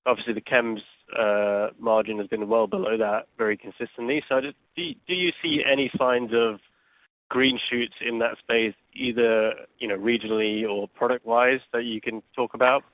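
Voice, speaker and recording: Male financial analyst, mid-pitched, questioning on a conference call, dry and slightly dull sound. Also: fairly even intonation, normal speed, dry recording. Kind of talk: asking questions on an earnings call.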